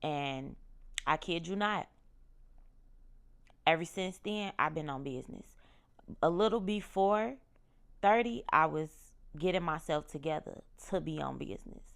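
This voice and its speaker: Low, gravelly-voiced woman in her thirties. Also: lively intonation, a little slow, long pauses. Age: 30s. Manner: candid, emphatic, repeats key phrases. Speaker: podcast host. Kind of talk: personal reflective monologue.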